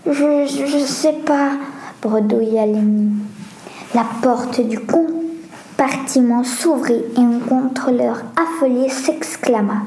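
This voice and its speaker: A woman reads a story aloud, slow and careful, stumbling now and then. Her voice is high but dark and mellow in tone. A roomy echo and faint background noise surround it. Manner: slow, careful reading with small restarts.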